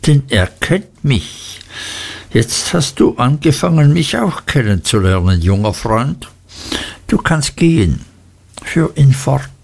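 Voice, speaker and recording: A man's voice: mid-range voice, big pitch swings, slow, creaky, slightly rough, voice pushed up, exaggerated voice. A man voicing a cruel, wrathful schoolmaster in an audiobook, boastful and threatening, with snapping, repetitive phrases. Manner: whispering menace, snapping "hä?" tags, repetitive self-important boasts. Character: cruel, wrathful old schoolmaster, menacing and domineering.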